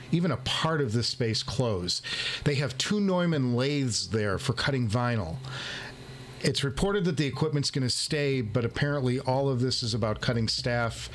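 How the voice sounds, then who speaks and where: A man hosting a headphone review show, chatting casually and excitedly to viewers, joking and repeating phrases for emphasis. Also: mid-range voice, slight background noise. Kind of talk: casual unboxing vlog talk to viewers.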